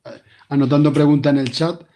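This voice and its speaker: A man's voice: on the high side, steady tone, a little fast, warm tone. A man moderating an online seminar over a video call, speaking hesitantly and repeating words as he searches for them.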